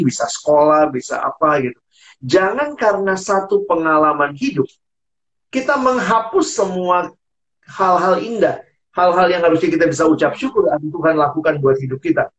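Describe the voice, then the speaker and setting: A man's voice: fairly high pitch, moderate pace, poor audio. A man speaking earnestly in a casual Christian talk, acting out little bits of dialogue as he tells stories. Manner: earnest, acts out quoted dialogue. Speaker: guest speaker.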